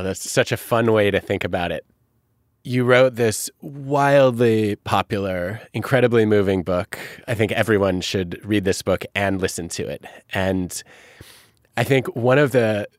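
A podcast host interviews a guest, asking questions enthusiastically and warmly heaping praise on them. His voice is lowish, and the clean studio recording has no room sound.

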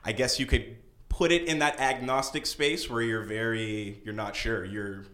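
A man on a podcast talking hesitantly, searching for words with many pauses. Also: medium pitch, fairly even intonation, fairly bright tone, roomy sound. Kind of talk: casual podcast talk.

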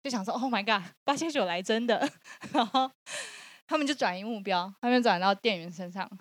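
A woman, co-hosting a podcast and retelling a story in a lively, laughing way. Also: medium pitch, fairly quick, no echo. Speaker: podcast co-host. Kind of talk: casual storytelling chat.

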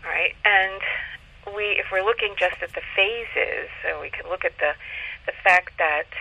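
A man speaking as an interview guest, explaining in a halting way, thinking aloud with pauses. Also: high voice, vocal fry, sharp tone, husky. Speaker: guest astrologer. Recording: muffled, lo-fi call audio.

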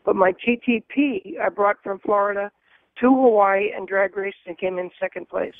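A man in his seventies with a high voice, calling in to a radio show and rambling enthusiastically about cars. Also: fairly even intonation, normal speed, creaky, no room sound. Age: 70s. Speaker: caller. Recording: tinny phone line.

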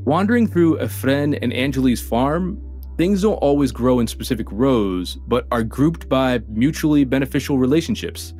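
A man's voice: medium pitch, expressive, moderate pace, a little mellow. A man hosting and narrating a food documentary in a playful, conversational way. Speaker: host and reporter. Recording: light music underneath.

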